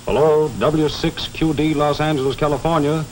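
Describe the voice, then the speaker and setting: A man playing an amateur radio operator calling for any station, spelling out his call sign in a measured, clipped delivery. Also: a little high, little pitch movement, background noise, close to an everyday voice. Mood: formal. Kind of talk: ham radio call with call signs.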